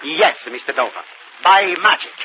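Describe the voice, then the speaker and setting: An actor playing a showy, mysterious aging stage magician with grand, stilted speech, in 1940s radio acting. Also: male voice, on the high side, lively intonation, moderate pace, natural voice. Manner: grand, theatrical, stilted phrasing. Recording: dull old radio recording with faint hiss.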